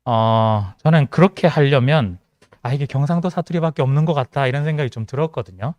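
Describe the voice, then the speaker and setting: Speaking briskly in a medium-pitched, slightly mellow voice, a man preaches to a young adults' congregation in a conversational style, slipping in jokes along the way. He is a pastor from the Gyeongsang region of South Korea with a mild Gyeongsang accent. The recording has no room sound, and its highs are cut off.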